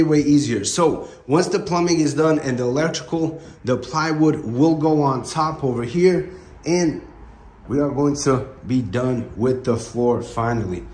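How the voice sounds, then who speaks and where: A man's voice: on the high side, a little mellow. A man in his thirties giving a plain, step-by-step walkthrough of a house renovation, filmed on a phone while walking through the rooms. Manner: plain, matter-of-fact, explaining step by step. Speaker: real estate investor vlogger. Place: empty house under renovation, indoors. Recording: echoey empty rooms.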